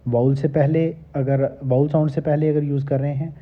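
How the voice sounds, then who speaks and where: A middle-aged male teacher. He reads English grammar rules slowly word by word, then explains them in a relaxed way. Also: on the high side. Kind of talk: recorded classroom lecture. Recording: tinny phone-like lecture recording.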